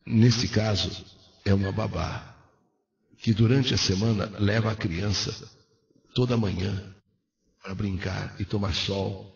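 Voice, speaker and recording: A man reading a dramatic first-person story for radio, emphatic and repeating phrases, shifting between hushed and loud. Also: lowish voice, steady tone, slow pace, creaky, pauses often. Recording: roomy, muffled radio recording.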